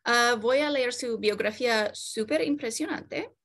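A woman in her thirties, a native English speaker with an accented Spanish, haltingly reading a formal introduction on a video call. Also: fairly high pitch, a bit bright. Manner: halting, stumbles over long words. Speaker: board member introducing a speaker.

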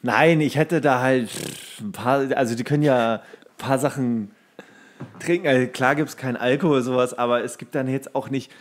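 Give the voice of a man with a mid-range pitch co-hosting a casual, funny podcast. He talks colloquially and rambles along, dropping in mock-strict asides. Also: moderate pace. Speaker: podcast co-host. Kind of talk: casual humorous chat.

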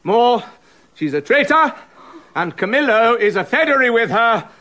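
A man's voice: very high voice, sing-song, unhurried, heavily acted. An actor playing a jealous, raging older king in a classic verse radio play, bitter and accusing. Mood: furious. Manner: bitter, accusing, swinging from loud to hushed.

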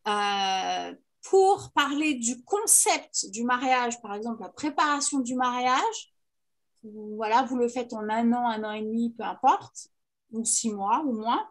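High-voiced teacher drilling vocabulary. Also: female voice, expressive, measured pace. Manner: clear, patient drilling of vocabulary. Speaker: English teacher. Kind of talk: online class lesson.

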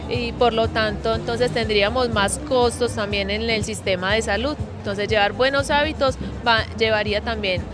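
Young woman nutritionist, higher voice. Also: moderate pace, hardly any pauses, music in the background. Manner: explanatory, with frequent hesitations. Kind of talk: news interview. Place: outdoor town square event. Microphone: handheld interview mic.

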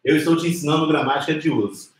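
A man's voice: a little high, fairly even intonation, fast talker. A Brazilian man in his forties giving an informal, conversational English lesson on a live stream, explaining didactically with rhetorical questions and example phrases. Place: small indoor room with whiteboard. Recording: roomy, echoing indoor sound.

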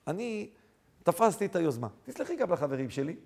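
A man's voice: high-pitched, sing-song, gravelly, a little mellow, slightly rough, heavily acted. A man preaching voices an earnest young student who pleads and apologizes. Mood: pleading. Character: earnest young male yeshiva student, humble.

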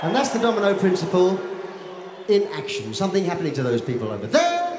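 50s guy bantering on a stadium stage, playful, kinda high voice, echoey PA, crowd super loud. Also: huge pitch swings, fast talker, very noisy. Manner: playful, teasing, building with repetition. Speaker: lead singer addressing the crowd. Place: outdoor stadium concert stage. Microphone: handheld stage mic through PA. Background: roaring crowd.

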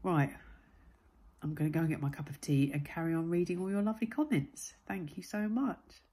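Low, congested woman vlogging chattily. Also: a little fast, slightly rough. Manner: chatty, chirpy and warm. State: congested, bunged-up nose. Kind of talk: casual daily vlog chat. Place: home and car, indoors. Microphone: phone camera at arm's length.

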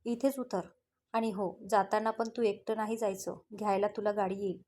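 A woman's voice: medium pitch, fairly even intonation, moderate pace, a little mellow, lightly acted. Woman doing a bossy mafia man, possessive, curt commands, storybook reading.

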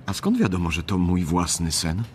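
Bewildered, courteous everyman for radio drama: deep, animated male voice. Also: moderate pace, a little hiss or hum. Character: bewildered, polite male bookseller, reluctant dream celebrity.

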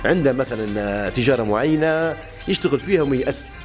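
A man in his late thirties with a Libyan Arabic accent, answering interview questions outdoors into a handheld mic, halting with many fillers and restarts. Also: medium pitch, expressive, faint music behind. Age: late 30s. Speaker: interviewee, honey trader. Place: outdoors by a wall. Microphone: handheld mic held by interviewer.

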